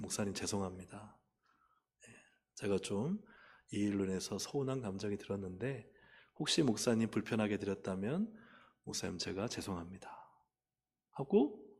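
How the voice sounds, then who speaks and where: Korean pastor preaching in a reverberant hall. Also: male voice, on the low side. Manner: asks rhetorical questions; grows loud and animated when retelling. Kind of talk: sermon with personal story. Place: church sanctuary. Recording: long church hall reverb.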